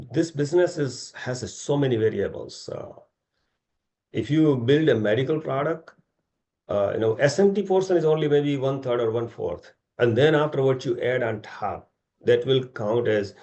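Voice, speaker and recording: A middle-aged man with an Indian accent and a gravelly, creaky voice. He speaks as a company executive on an investor call, informal and rambling, adding small tag questions as he explains. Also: medium pitch, darkish tone.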